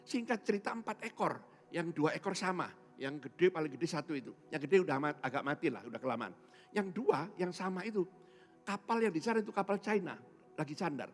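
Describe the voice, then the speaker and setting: A man from Indonesia, a pastor giving a sermon testimony, telling his story with lively swings between loud and soft and acting out other people's voices. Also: fairly high pitch, brisk, soft background music.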